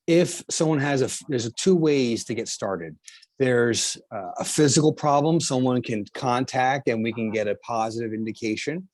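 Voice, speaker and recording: A middle-aged man with a South Jersey accent, a chiropractor explaining his healing technique in an interview, halting and restarting as he talks. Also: medium pitch, darkish tone, no echo. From New Jersey. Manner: halting, with frequent restarts and fillers. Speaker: chiropractor and healer, guest.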